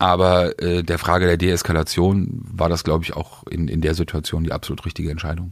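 With a very deep, low pitch and monotone, flat intonation, a man talks at a fairly quick pace with hardly any pauses. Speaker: podcast host, former music journalist. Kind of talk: casual chat.

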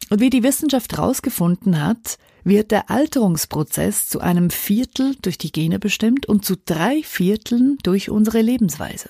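A woman with a fairly high pitch and a dark, mellow, somewhat breathy tone speaks at a moderate pace with lively intonation, in a dry, close sound with no echo. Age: 30s. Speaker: podcast host. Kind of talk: solo podcast monologue.

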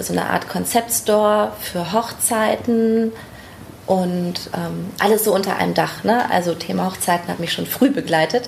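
A woman with a plain, everyday voice talks fairly slowly, her medium pitch rising and falling with ordinary pitch variation. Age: 30s. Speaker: balloon decorator and shop owner. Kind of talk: casual interview. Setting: in her shop.

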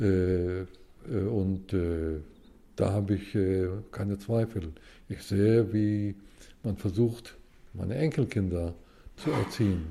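In a very clean recording with a silent background, a man speaks very slowly in a fairly low pitch with a dark, mellow tone and ordinary pitch variation. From Israel, Jerusalem. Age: 70s. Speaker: history professor. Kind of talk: interview.

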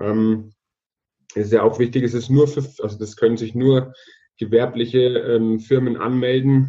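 At a fairly slow pace, a man with a medium pitch talks in a somewhat breathy voice with monotone, flat intonation. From Franconia, Würzburg. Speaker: startup founder, trained roofer. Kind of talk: interview. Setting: remote call. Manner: halting, many filler sounds.

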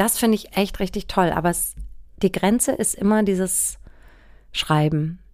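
A woman with a medium-pitched voice speaks at a moderate pace with ordinary pitch variation, leaving long, frequent pauses, in a very clean recording with a silent background. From Bavaria. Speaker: novelist and podcast co-host. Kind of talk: casual chat.

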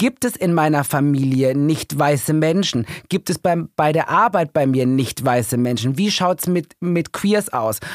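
A man talks in an ordinary speaking voice at a fairly high pitch, with lively intonation. He goes at a fairly slow pace, his loudness very even. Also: dry, close sound with no echo. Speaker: podcaster and TV talk show host. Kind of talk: interview.

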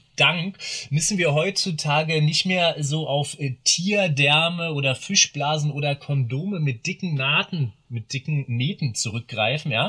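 A man talks at a fairly slow pace with a bright, sharp tone. His pitch is fairly high, with ordinary variation. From Berlin. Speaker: podcast co-host. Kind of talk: casual chat.

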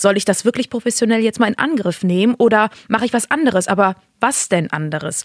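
Talking at a fairly quick pace with a slight Rhineland accent, a woman of medium pitch is recorded with a dry, close sound and no echo. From Bonn, Germany. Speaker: voice actor and TV actor. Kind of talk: casual chat.

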